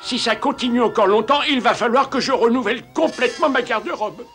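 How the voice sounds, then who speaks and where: An actor voicing a grumpy, theatrical old ghost who grumbles indignantly in a French cartoon dub. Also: male voice, extremely high pitch, a little fast, sharp tone, faint music behind. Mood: exasperated. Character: grumpy, fussy old ghost who loves scaring old ladies.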